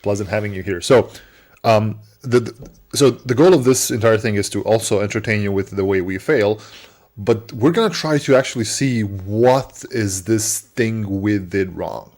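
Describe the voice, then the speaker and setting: A man co-hosting a casual tech livestream in a laid-back way, laughing easily and phrasing things haltingly. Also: lowish voice, a little mellow. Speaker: co-host.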